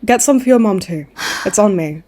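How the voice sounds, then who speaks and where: A cocky supervillain woman, acted by a woman for a comedy audio roleplay. Her voice is mellow and mid-pitched. She talks in a breezy, chummy, teasing way, entirely pleased with herself. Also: lively intonation, normal speed, natural voice. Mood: friendly, chummy. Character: cocky, cheeky supervillain woman, a chummy hospital frequent flyer.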